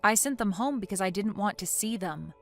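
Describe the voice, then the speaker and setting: A woman's voice: mid-range voice, lively intonation, a bit bright, soft background music. A woman voicing a cold, resolute young woman. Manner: cold, measured, firm. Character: calm, resolute young woman injured in an accident.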